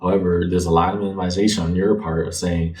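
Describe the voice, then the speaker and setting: A man's voice: low-pitched, level tone, quick pace, a little mellow. A man speaking casually and conversationally to the viewer as a fortune-telling tarot card reader. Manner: conversational, checks in with "right?". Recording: distant mic, faint background noise.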